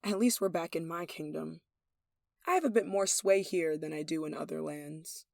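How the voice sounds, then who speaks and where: A woman's voice: sits low, normal speed, vocal fry, no echo. Lovestruck royal heir, close and dry played by a woman. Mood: resigned, wistful. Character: lovestruck, possessive young royal heir, playful and commanding. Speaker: voice actor in an audio roleplay. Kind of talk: intimate ASMR roleplay acting.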